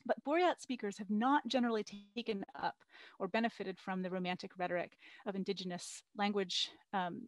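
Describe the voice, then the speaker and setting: A middle-aged woman author giving an academic book talk, speaking in a measured, partly read way with frequent "um" fillers. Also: medium pitch, dry recording. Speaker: author presenting her book.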